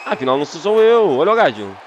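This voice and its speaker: Excitable Portuguese gamer with game crowd noise. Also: male voice, a little high, muffled recording. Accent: European Portuguese. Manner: swearing, repeats words rapidly. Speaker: gaming commentator. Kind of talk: excited gameplay commentary.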